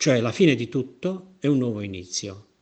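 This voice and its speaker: Very wide swings in pitch from a man, his delivery at a moderate pace. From southern Italy, Basilicata. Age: 60s. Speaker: retired volunteer Italian teacher. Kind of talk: interview testimony.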